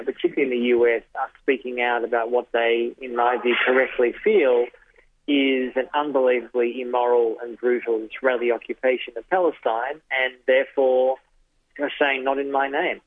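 A man's voice: mid-range voice, steady tone, no room sound. Man on a tinny phone line. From Australia. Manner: thoughtful, speaks in short phrases with pauses. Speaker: guest, journalist and author. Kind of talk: earnest interview answers.

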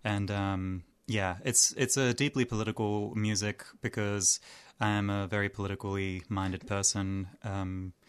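A man from Armenia, a musician guest on a community radio show, speaking hesitantly and thoughtfully with many pauses. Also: lowish voice, level tone, clean tone. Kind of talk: casual radio interview.

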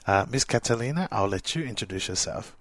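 Low-voiced male podcast host, dry sound. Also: animated, a little fast, dry recording. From Samoan, living in Australia. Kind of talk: conversational radio interview.

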